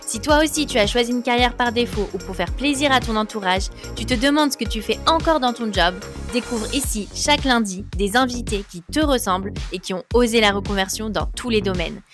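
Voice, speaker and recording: A woman hosting a podcast, reading a scripted intro and asking interview questions with an upbeat manner. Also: mid-range voice. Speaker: podcast host.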